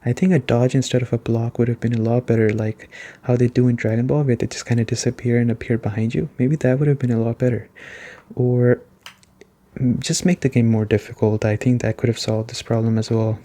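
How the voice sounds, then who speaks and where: A soft-spoken man with a dark, relaxed tone and a mid-range voice reviews a video game in ASMR style. He talks conversationally, circling back over his points to stress them. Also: medium pitch.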